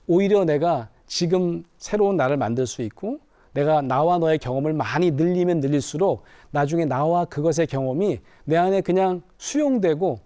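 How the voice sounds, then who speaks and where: Middle-aged man, counseling professor, animated storyteller, fairly high voice, lively pitch. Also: no room sound. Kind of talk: explanatory talk to camera.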